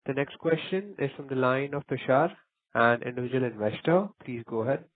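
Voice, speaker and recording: A man's voice: mid-range voice, fairly quick. Formal moderator, male, on phone line. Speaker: conference call moderator. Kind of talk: formal scripted announcements.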